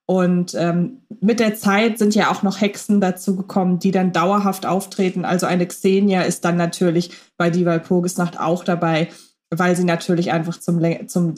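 A woman's voice: lowish voice, fairly even intonation, moderate pace, darkish tone. Thoughtful woman co-hosting a fan podcast. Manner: thoughtful, checks notes and corrects herself. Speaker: podcast co-host. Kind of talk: casual fan podcast discussion.

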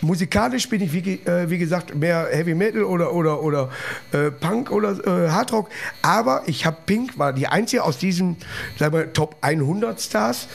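Guy rambling and cracking jokes on himself, gravelly, a bit high. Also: animated, moderate pace. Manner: rambling, jokey, self-mocking. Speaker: podcast host and comedian. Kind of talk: casual chat.

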